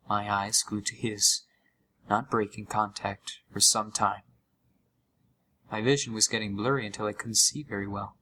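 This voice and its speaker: Creepypasta audio drama narrator, male actor: haunted gamer, lowish tense voice, dramatic pauses, slightly noisy recording. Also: pushed and bright. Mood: anguished. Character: haunted male gamer recounting a horror story.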